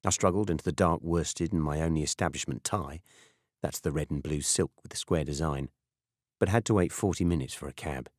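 A British man narrates a first-person novel in a deep voice. His delivery is measured and dry. The recording is close and free of room sound, as suits a scripted audiobook. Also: no echo.

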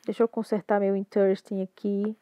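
A woman's voice: mid-range voice, flat delivery, brisk, warm tone, no echo. Patient Brazilian woman teaching grammar. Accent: Brazilian Portuguese. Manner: patient, repeats and checks understanding. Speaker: English teacher. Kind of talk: explaining grammar.

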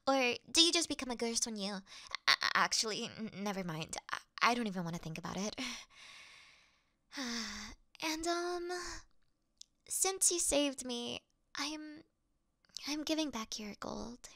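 Woman playing a high-pitched, clumsy girl thief. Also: lively intonation, measured pace, long pauses, sharp tone, no echo, studio quality, heavily acted. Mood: sheepish, relieved. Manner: flustered, stammering, pouty. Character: clumsy, easily scared young female dungeon thief acting tough. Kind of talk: ASMR roleplay acting.

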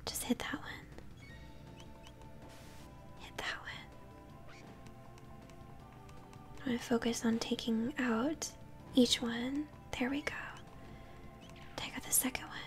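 A woman's voice: on the high side, steady tone, takes it slowly, long pauses. Whispering young woman doing ASMR game commentary. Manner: encouraging, chatty, addressing viewers. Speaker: game streamer. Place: indoor room at home. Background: video game music.

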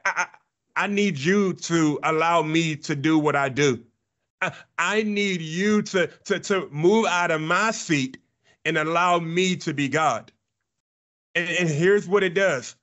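A man in his thirties, a pastor preaching a sermon to camera, fervent and often repeating words as he starts sentences, on a boom studio mic in a small studio set. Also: takes it slowly, fairly bright tone, muffled recording. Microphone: boom-mounted studio mic.

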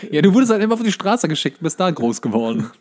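Male podcast co-host from West Berlin, lively intonation, casual comic banter, absurd deadpan humour. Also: on the high side, fast. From West Berlin, Germany.

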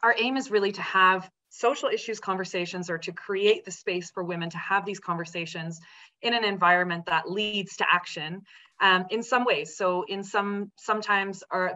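A woman's voice: lowish voice, pushed and bright. A woman in her thirties from the Netherlands, a guest speaking earnestly over a video call with frequent ums and restarts. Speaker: guest, executive director of a women's centre. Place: home room with colourful art on walls. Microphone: laptop webcam video call. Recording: dull lo-fi video call audio.

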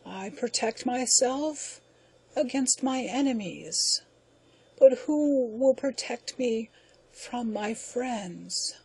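A woman reading the part of a dying alien overlord, speaking slowly in a gasping, bitter way. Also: on the high side, a little mellow, breathy edge, pitched above the performer's own voice, exaggerated voice.

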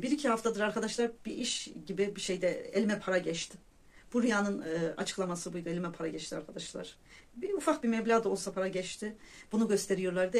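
A woman's voice: medium pitch, darkish tone. A woman talking casually to her viewers, earnestly sharing religious reflections and retelling dreams, often calling them her friends. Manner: reflective storytelling with pious phrases. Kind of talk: casual personal monologue to viewers.

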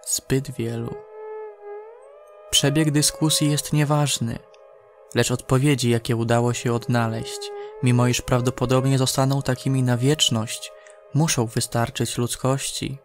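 Slow, solemn male narrator. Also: medium pitch, little pitch movement. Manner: measured, solemn, report-like. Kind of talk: scripted audio drama narration. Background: music.

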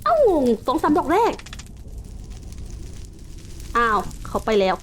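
A Thai woman, a gaming YouTuber, plays Minecraft and narrates as she goes, mixing playful mock-villain taunts with polite explanations of game facts and polite sentence endings. Her voice is high-pitched with huge pitch swings and a slow pace, and there's slight background noise.

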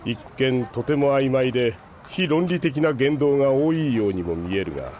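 A male actor plays a stoic older man who reasons in formal, deliberate phrases. His mid-pitched voice moves widely, with faint noise behind. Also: expressive, darkish tone, natural voice. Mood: stoic, pensive. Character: stoic, reflective older man of measured logic. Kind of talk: anime-style audio drama acting.

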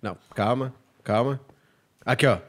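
A man hosting a gaming video, chatting excitedly with a friend while playing. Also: medium pitch, normal speed. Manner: excitable, shouts and laughs often. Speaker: gaming channel host. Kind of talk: excited gameplay chat.

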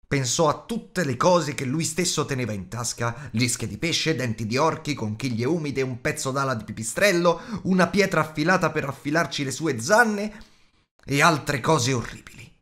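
A man's voice: medium pitch, animated, normal speed, a bit bright. A man narrating an audiobook in a dramatic, varied reading style. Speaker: audiobook reader.

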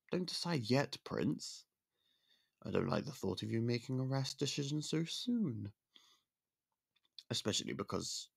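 Young royal suitor, male, deep and fry-laden, soft-spoken and courteous, dry close-mic ASMR read, voiced by a man. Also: no echo, full character voice. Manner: polite, formal, soft-spoken courtship talk. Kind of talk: ASMR roleplay.

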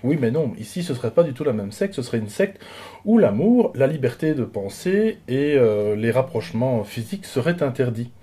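A man's voice: mid-range voice, very animated, moderate pace, dark tone, slightly rough. A man in his forties hosting a casual interview from a small home room, talking hesitantly with many fillers and restarts. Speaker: host.

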